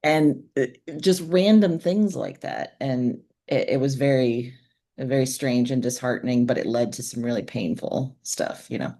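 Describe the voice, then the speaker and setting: A woman's voice: a bass voice, measured pace, mellow. A woman speaking as an interview guest, an author reflecting informally and candidly in conversation.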